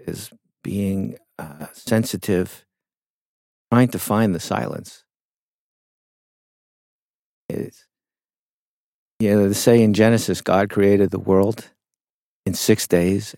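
Middle-aged guy, low gravelly voice, slow reflective storytelling, dry close mic. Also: fairly even intonation, darkish tone, no echo. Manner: reflective, unhurried, with frequent fillers. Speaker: interview guest, songwriter. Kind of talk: conversational interview storytelling.

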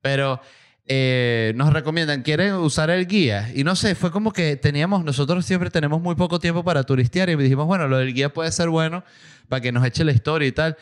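Animated man, smooth voice. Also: fairly quick. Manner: animated, acts out quoted voices with big pitch jumps. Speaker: podcast host. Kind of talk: casual storytelling monologue. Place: small home studio room.

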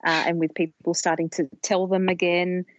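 A woman co-host asks calm, measured questions in a lowish voice. Her sound is dry and muffled, like a lo-fi call line. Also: dry recording. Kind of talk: casual interview chat.

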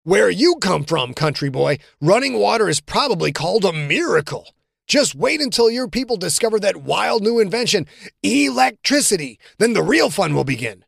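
Brief: cocky teammate, teasing and mocking, narrator puts him on. Gravelly, dry. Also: male voice, high-pitched, very animated, normal speed, a bit bright, no echo, voice pushed up, heavily acted. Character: cocky wisecracking male football teammate.

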